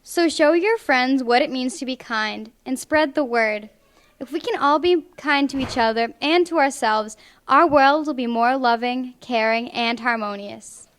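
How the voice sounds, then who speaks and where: A young woman reading a picture book aloud to children in clear, deliberate phrases at a library. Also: high-pitched, fairly bright tone. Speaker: volunteer storybook reader. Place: public library, indoors.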